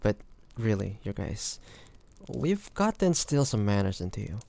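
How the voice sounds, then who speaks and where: A man playing a flirty, teasing bodyguard to a noble in an intimate fantasy audio roleplay, with playful, halting delivery. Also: lowish voice, sing-song, gravelly, a little mellow. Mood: teasing, chiding. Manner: playful, teasing, halting pauses, often chuckling.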